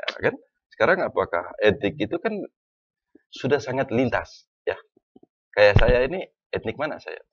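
A man from North Maluku, an academic guest, talking in a podcast discussion in an animated, questioning way. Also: mid-range voice, normal speed, pauses often, dull audio, background noise. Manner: animated, questioning, often adds "ya kan?". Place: small podcast studio. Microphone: desk mic on stand.

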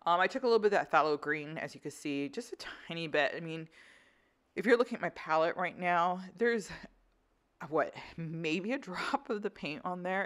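A woman's voice: sits low, fairly bright tone. A woman instructor talking through an art tutorial in a casual, conversational, explanatory way. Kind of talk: casual voice-over craft tutorial.

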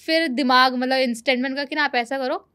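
A young woman with a fairly high voice tells a story in a casual podcast conversation. She is a PR manager and a guest on the show. She acts out every quoted line as she goes. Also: fast talker, smooth. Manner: animated, acts out quoted dialogue.

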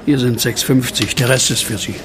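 An actor playing a brooding man who narrates his own horror story in an earnest, measured way. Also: medium pitch, steady tone, a crowd in the background, lightly acted. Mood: friendly. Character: brooding male narrator, former asylum patient fearing werewolves. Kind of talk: first-person horror audio drama narration.

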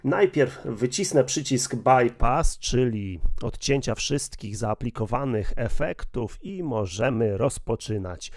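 Slow, measured male gear reviewer. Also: mid-range voice, lively intonation, darkish tone, no room sound, clean studio sound. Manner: explanatory, measured. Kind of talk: casual product demo.

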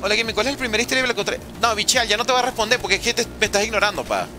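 A man's voice: high voice, very fast, music in the background. A man, chatting casually and teasing his viewers while streaming a game. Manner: joking, teasing chat with slang. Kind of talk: casual live-stream chat while gaming.

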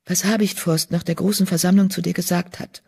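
A woman voicing a calm, kind young female medicine cat in an audiobook, speaking softly and reassuringly. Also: on the low side, a little fast, slightly rough. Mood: soothing. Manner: soft, soothing, reassuring. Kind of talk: audiobook character voice.

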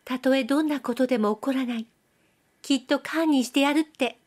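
Brief: coy young girl with a soft nasal lilt, pitched high, as a woman reader puts her on. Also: moderate pace. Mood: coy, pleading. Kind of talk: audiobook reading.

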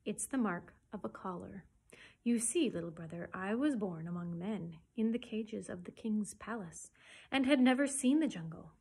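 A woman voicing a wise, protective male black panther from a storybook, speaking gently and earnestly with emphasis. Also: medium pitch, expressive, normal speed, slightly rough. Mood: gentle, confiding.

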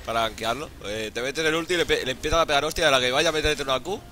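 A man's voice: mid-range voice, rapid-fire, bright, forceful tone, a little hiss or hum. A hungover man with an accent from Spain giving casual, jokey, foul-mouthed gameplay commentary. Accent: Spanish (Spain). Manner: crude, jokey, profane slang. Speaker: gaming YouTuber.

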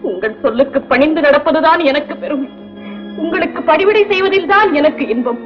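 Devout educated princess-bride, formal literary delivery, high pitch, 60s soundtrack with music. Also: female voice, lively intonation, a little fast. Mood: devoted. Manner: formal literary speech, dramatic pleading. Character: learned young princess bride, devout, proud and anguished. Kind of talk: 1960s film acting. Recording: dull old film soundtrack with music.

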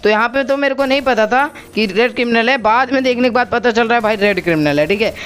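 A man's voice: extremely high pitch, fast talker, a bit bright, clear, resonant tone. Chatty young man narrating his gameplay. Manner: chatty, addresses viewers as brother, keeps asking for comments. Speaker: gaming channel host. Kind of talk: gameplay commentary voice-over.

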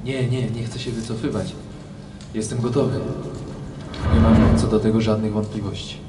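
A man's voice: on the low side, flat delivery, normal speed, natural voice. A resolute young wartime recruit played by a man in a radio drama, distant and echoey. The recording is very noisy. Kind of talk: live radio drama acting. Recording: distant echoey noisy cinema hall rehearsal.

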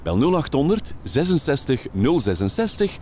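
Male, Flemish accent, lively pitch, conversational ad narration, faint background sounds. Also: moderate pace, a little hiss or hum. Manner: conversational, addressing the listener directly. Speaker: voice-over artist. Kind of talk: scripted commercial narration.

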